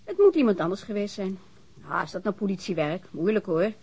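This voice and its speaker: A woman's voice: medium pitch, very animated, brisk, a little mellow, breathy edge. An actress playing a blunt, sceptical woman in a radio drama, speaking with dry sarcasm. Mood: mocking. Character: sardonic woman, blunt, teasing, sceptical of police. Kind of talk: naturalistic radio drama acting.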